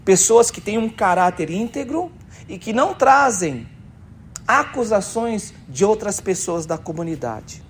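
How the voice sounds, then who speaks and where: A man's voice: sits high, lively intonation, unhurried, slight background noise. A man preaching a sermon in church, conversational and emphatic, asking the congregation questions. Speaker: pastor.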